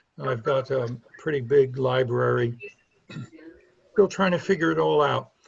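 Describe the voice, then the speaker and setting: With a Brooklyn accent, a man speaks at a fairly high pitch and a moderate pace. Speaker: paranormal researcher and lecturer. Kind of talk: casual chat.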